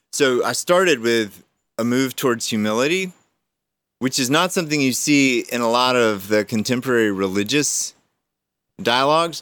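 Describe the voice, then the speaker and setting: At a moderate pace, a man with an ordinary speaking voice talks at a medium pitch with ordinary pitch variation on a very clean recording with a silent background. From US South, Georgia. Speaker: pediatric oncologist and philosophy professor. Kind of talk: conversational interview. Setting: radio studio.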